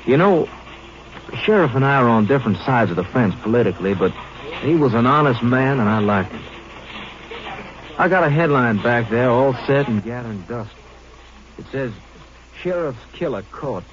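An actor playing a cynical, world-weary small-town newspaper editor in a 1950s radio drama, wry and resigned. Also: male voice, mid-range voice, expressive, moderate pace, long pauses, dull audio, lightly acted. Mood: earnest, weary. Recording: noisy band-limited 1950s radio recording.

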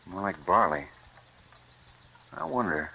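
A young man with a low voice that swings widely in pitch, earnest and intense. The muffled old radio recording dulls the sound. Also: animated, slow pace, gravelly, sharp tone, husky, heavily acted. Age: young adult. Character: earnest young man, stubborn scientist-turned-farmer. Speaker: young scientist turned farmer. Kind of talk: 1940s radio acting.

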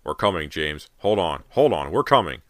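A man voicing a frantic, desperate father in an audiobook story, forceful and breathless. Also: low voice, sing-song, moderate pace, no echo, studio quality, exaggerated voice. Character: frantic father desperately hunting his lost son.

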